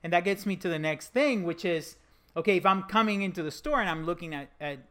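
Male interviewer, pitch a little above average, conversational podcast hosting. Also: a little fast, a bit bright.

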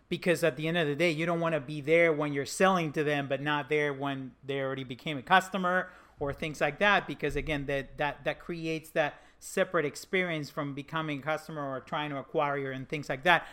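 A man's voice: on the high side, fairly bright tone. A man hosting a business interview, talking conversationally as he responds and sets up questions. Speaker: interviewer, podcast host.

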